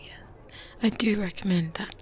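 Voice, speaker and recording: Slow, whispering kindly witch played by a woman. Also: medium pitch, natural voice. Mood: wry, soothing. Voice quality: soft, breathy, mostly whispered. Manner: unhurried, gentle, pensive, with murmured hums and pauses. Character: kindly, wise, reclusive older witch mentoring an apprentice. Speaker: ASMR roleplay performer. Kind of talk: softly spoken, whispered ASMR roleplay. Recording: faint ambient noise bed. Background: medieval ambience sounds.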